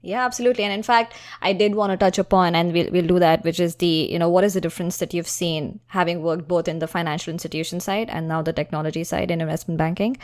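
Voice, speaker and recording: Lower-voiced woman asking interview questions. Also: fairly even intonation, fast talker, hardly any pauses. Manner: encouraging, with frequent "I see" and "hmm". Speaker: podcast host, interviewer.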